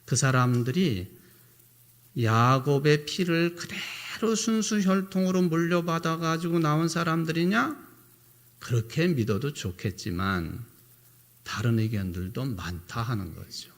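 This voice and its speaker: A man's voice: on the high side, a little slow. A middle-aged male pastor giving a sermon in a conversational way, often posing rhetorical questions to the congregation.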